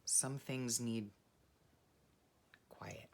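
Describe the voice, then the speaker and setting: A woman vlogger chatting casually and rambling softly while she works on a journal craft. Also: very deep voice, steady tone, extremely slow, gravelly. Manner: soft-spoken, rambling, self-deprecating, many fillers. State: frog in her throat.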